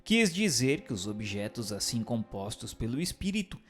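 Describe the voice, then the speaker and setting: Male narrator, mid-pitched and very animated, formal declamatory scripted read over faint music. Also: moderate pace. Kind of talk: scripted dramatized reading of a spiritist book.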